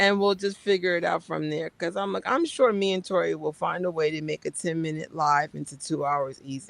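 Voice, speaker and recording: With a strong New York accent, a woman talks at a fairly quick pace with hardly any pauses and ordinary pitch variation. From New York City. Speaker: channel host, fan livestreamer. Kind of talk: casual livestream chat. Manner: animated.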